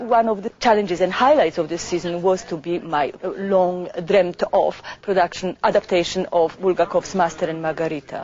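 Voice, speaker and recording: A woman with a Polish accent speaks at a medium pitch and moderate pace, with hardly any pauses. Her pitch variation is ordinary, and there is noticeable background noise. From Poland. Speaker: theatre artistic director. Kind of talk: documentary interview.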